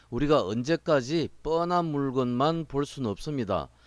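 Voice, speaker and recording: On a very clean recording with a silent background, a man has an ordinary speaking voice. He speaks at a fairly slow pace with ordinary pitch variation. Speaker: real estate auction instructor. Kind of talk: tutorial.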